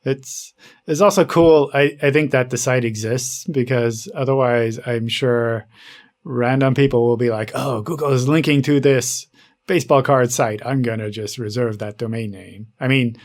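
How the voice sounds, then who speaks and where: A man's voice: medium pitch, fairly even intonation, moderate pace, darkish tone. A man in casual podcast chat as a co-host, with a dry, tongue-in-cheek way of talking.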